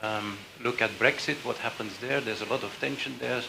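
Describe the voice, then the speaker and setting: A man's voice: mid-range voice, steady tone, fairly quick, creaky, noisy background. A man putting a direct, blunt question to a panel from the audience. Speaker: audience member.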